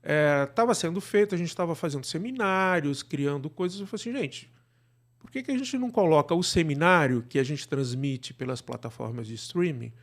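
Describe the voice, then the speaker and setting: A middle-aged Brazilian man talks as a guest in a casual interview. His voice sits a little high for a man. He explains things discursively, often checking in with short tag questions. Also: animated, a little fast. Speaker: interview guest, actor and podcast producer. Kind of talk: casual conversational storytelling.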